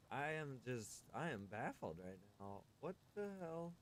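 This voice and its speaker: A man's voice: medium pitch, very animated, slow pace. A man who streams games, thinking aloud casually and muttering to himself in a baffled way. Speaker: game streamer. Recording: clear background noise.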